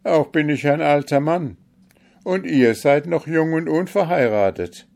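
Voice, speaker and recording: A man voicing an old grand vizier who protests loudly and grumbles, in a storybook reading. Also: fairly high pitch, expressive, extremely slow, creaky, pitched above the performer's own voice, exaggerated voice. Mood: protesting. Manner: loud and protesting.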